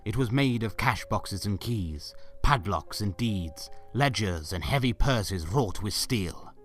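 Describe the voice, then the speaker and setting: Male narrator for audio drama, lower-pitched voice, scripted storytelling over soft music. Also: lively intonation, slow.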